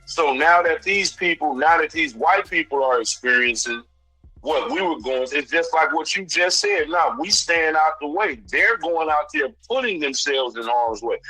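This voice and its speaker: A man calls in to a radio show with a bright, forceful voice on the higher side. He argues his point emphatically in loose street slang, with a dry, close sound and music running underneath. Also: breathy edge, no echo, poor audio. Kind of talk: opinionated call-in debate.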